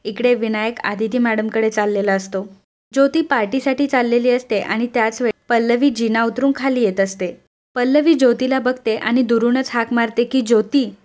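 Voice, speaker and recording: A woman's voice: on the high side, fairly even intonation, normal speed, darkish tone. A woman narrating a recap of a TV serial in scripted storytelling style, addressing listeners directly and reading out viewers' names. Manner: addresses listeners as friends, reads long name lists.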